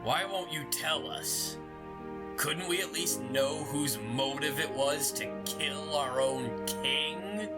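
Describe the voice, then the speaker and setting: An actor in an audio drama playing a skeptical, level-headed royal attendant with a measured, deliberate delivery. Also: medium pitch, over loud music, natural voice.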